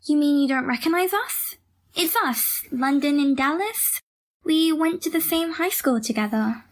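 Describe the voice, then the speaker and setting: A woman's voice: high voice, lively intonation, unhurried. A woman playing a scheming, cautious young twin sister in an audio drama. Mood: feigned friendliness. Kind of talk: hobby audio drama acting.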